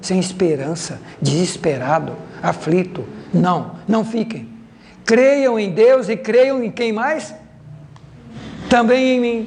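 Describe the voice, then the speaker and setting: Pausing long and often at a very slow pace, a man with a high pitch and lively intonation is heard amid noticeable background noise and audible room echo. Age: 60s. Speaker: pastor. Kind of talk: sermon.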